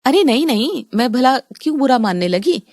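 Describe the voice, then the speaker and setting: A woman's voice: sits high, very animated, moderate pace, darkish tone, no room sound, clean studio sound, full character voice. A woman voicing a jealous middle-aged mother who taunts and reproaches her daughter. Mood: reproachful.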